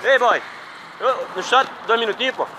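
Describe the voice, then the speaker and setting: A man hosting a street prank video, talking quickly and insistently as he presses strangers. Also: very high-pitched. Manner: insistent, pleading, fast-talking. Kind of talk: street prank, persuasive chatter. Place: outdoors on a city street. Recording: street noise from passing cars. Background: traffic noise.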